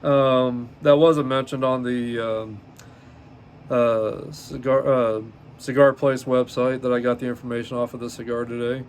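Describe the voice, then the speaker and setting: A man in his fifties hosting a solo podcast, reading from notes in a halting way with many ums and uhs and frequent self-corrections. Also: mid-range voice, little pitch movement, slight background noise. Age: 50s. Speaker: podcast host.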